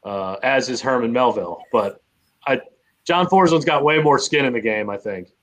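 A man's voice: medium pitch, normal speed, a bit bright. A man co-hosting a sports podcast in casual conversation, repeating phrases for emphasis.

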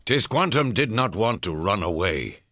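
An actor playing a solemn storyteller, narrating a Native American legend for a radio drama in measured phrases. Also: male voice, lowish voice, big pitch swings, fairly bright tone, no room sound, studio quality. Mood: solemn, reflective. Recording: music behind the voice.

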